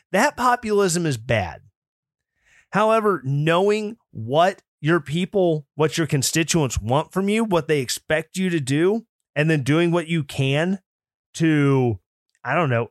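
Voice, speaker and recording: A man's voice: on the high side, no room sound. Opinionated male podcast host, dry sound. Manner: opinionated, mocking, mimics opponents in put-on voices. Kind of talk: political commentary podcast.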